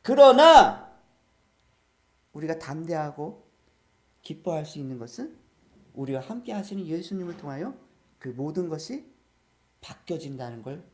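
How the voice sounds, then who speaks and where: A pastor gives a sermon in church, repeatedly quizzing the congregation and calling for amens. He speaks in a fairly high, mellow, expressive voice at a moderate pace, leaving long pauses.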